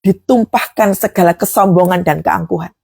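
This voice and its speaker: Lady preacher, husky voice, dry close sound, asks the church lots of questions. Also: lowish voice, moderate pace, no room sound. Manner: emphatic, rhetorical questions, shouts out acted prayers. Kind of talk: livestreamed devotional sermon.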